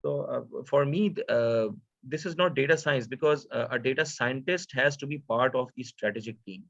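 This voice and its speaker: A man with a South Asian accent giving an informal data science lecture, speaking haltingly with frequent hesitations and rhetorical questions. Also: medium pitch, no room sound. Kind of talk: informal lecture, code-switching. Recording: dull, dry lo-fi audio.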